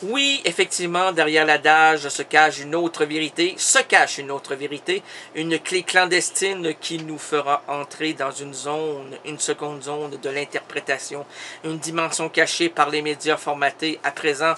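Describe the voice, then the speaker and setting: A man's voice: on the high side, fairly even intonation, a little slow, sharp tone, slight background noise. A man with a Québécois accent doing a theatrical, absurd comic monologue full of wordplay. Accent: Québécois French. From Quebec. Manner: theatrical, wordplay-driven, exaggerated. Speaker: comic host.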